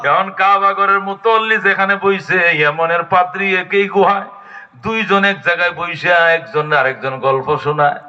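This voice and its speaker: A man's voice: high-pitched, fairly even intonation, moderate pace, sharp tone. A man preaching a sermon in a Bangladeshi Bengali accent, telling the story dramatically and acting out the dialogue. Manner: dramatic storytelling that acts out the dialogue, with sing-song prayer passages. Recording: dull lo-fi recording.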